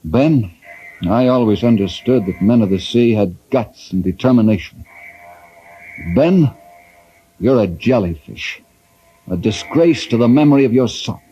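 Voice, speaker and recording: An actor playing an earnest, resolute ranger hero who speaks in a firm, persuasive way, in an old radio drama. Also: male voice, mid-range voice, animated, a little slow, long pauses, warm tone, husky. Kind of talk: 1950s radio drama acting. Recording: dull old radio broadcast with faint hiss.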